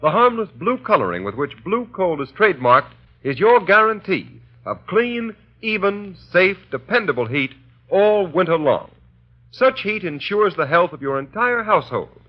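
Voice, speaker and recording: A male announcer reading commercials and bulletins in crisp, emphatic 1930s radio style. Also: sits high, big pitch swings, moderate pace. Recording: dull old radio recording.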